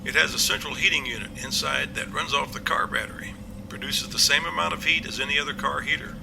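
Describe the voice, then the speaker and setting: A man playing a confident police captain in an amateur audio drama, explaining things in a measured, matter-of-fact way. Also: a little high, steady tone, vocal fry, background noise.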